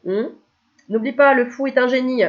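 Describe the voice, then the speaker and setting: A woman's voice: mid-range voice, moderate pace. A chatty woman with a cold gives a casual card reading to her viewers as a spiritual medium. She jokes and laughs often in a middling voice. The recording sounds slightly dull and lo-fi. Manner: chatty and joking, laughing often between remarks. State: has a cold.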